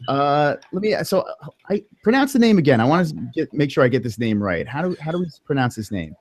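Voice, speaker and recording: A man's voice: fairly high pitch, very animated, brisk. A man with a New York accent hosting a casual livestream interview, joking and laughing often. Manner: joking, laughs often, stumbles over words. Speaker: host.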